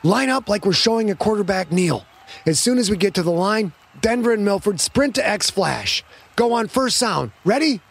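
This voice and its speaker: A young, aggressive quarterback in a sci-fi sports story, voiced by a man reading aloud. His voice is husky and pushed higher, with a forceful edge. He barks commands like he owns the team. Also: lively intonation, moderate pace, heavily acted. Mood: gruff, commanding. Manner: barking, commanding. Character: hot-tempered young male football quarterback, bossy and aggressive.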